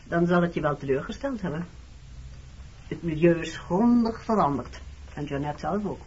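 A woman acting in a radio play as a hurt, reproachful married woman facing her former lover, speaking in a measured, intimate, accusing way with a slightly husky voice. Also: fairly low pitch, lively intonation, darkish tone, slight background noise, lightly acted. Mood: guarded, reproachful. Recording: dull lo-fi old radio recording.

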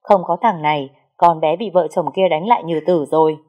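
A woman's voice: deep voice, fairly quick, muffled recording, close to an everyday voice. A woman voicing a kind older male neighbor who earnestly defends a mistreated girl. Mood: earnest, indignant. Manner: earnest, indignant, fatherly. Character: kind older man, neighbor, protective and indignant.

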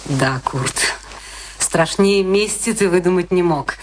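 A bitter, proud wife, noisy recording. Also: female voice, fairly low pitch, slow. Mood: cold, vengeful. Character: bitter, proud, vengeful wife, a former actress. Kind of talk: Russian radio play acting. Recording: noisy old radio drama recording with clicks.

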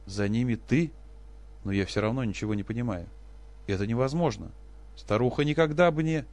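A man's voice: medium pitch, fairly quick, natural voice. A man voicing a broken, aging male professor who turns desperate and explosive. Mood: bewildered. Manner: shouting, frantic.

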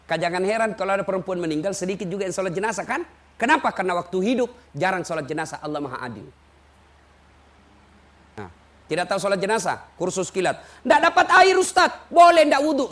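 Male preacher, very high voice, lively comic sermon delivery. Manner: animated storytelling, acting out quotes, shouting takbir. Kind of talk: humorous sermon to a congregation.

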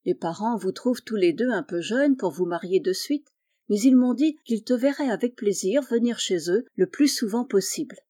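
A kind, wealthy gentleman painter speaks gently and reassuringly to the young men he looks after, as a woman narrator puts him on. The tone is mellow and warm, and his reading has the calm of a storybook. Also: mid-range voice, moderate pace, lightly acted. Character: kind wealthy middle-aged male painter, benefactor.

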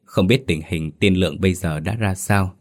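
A man narrating a scripted ghost story in a steady, even manner. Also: deep voice, moderate pace.

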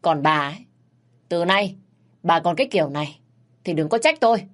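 A woman's voice: low-pitched, normal speed, fairly bright tone. A woman voicing a stern, fair-minded older father-in-law who speaks firmly and reproachfully. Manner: firm, reproachful. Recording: faint music underneath.

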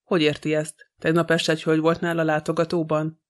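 A man reading an audiobook, voicing a stern, impatient male magistrate who questions briskly. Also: fairly high pitch, monotone, close to an everyday voice. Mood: questioning.

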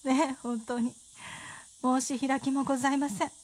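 上品な言葉遣いで夫をからかう作家の妻を演じる女性俳優。ラジオドラマの芝居。. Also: female voice, high-pitched, flat delivery, normal speed, darkish tone. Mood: wry. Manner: polite, teasing, genteel speech. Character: refined wry wife of a novelist. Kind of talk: radio drama acting.

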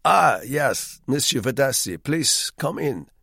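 A man voicing a grave, formal hotel manager who speaks in a measured way. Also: medium pitch, expressive, creaky, sharp tone, husky, no room sound, clean studio sound, pitched above the performer's own voice, exaggerated voice.

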